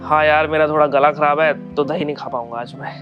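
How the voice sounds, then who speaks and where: Guy acting as a rushed young husband, casual talk, soft music behind. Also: fairly high pitch, fairly even intonation, highs cut off, close to an everyday voice. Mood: hurried. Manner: hurried, casual. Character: busy young husband and son.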